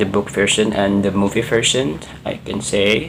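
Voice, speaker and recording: Here a man is speaking. He goes at a fairly slow pace. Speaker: book reviewer. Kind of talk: casual review. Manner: hesitant, many fillers.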